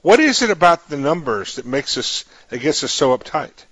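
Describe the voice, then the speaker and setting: A man hosting a radio interview, talking in a halting way with many restarts and emphatic asides to his listeners. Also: a little high, big pitch swings, fairly bright tone, breathy edge, dry recording, dull audio. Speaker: radio show host. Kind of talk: interview talk.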